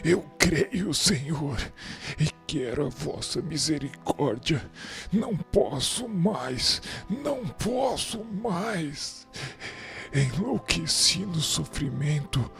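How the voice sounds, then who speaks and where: A Brazilian man playing a tormented suffering spirit who pleads desperately for mercy in drawn-out supplication, in a religious radio drama. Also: a little high, animated, gravelly, a bit bright, exaggerated voice. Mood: anguished pleading. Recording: music under the voice.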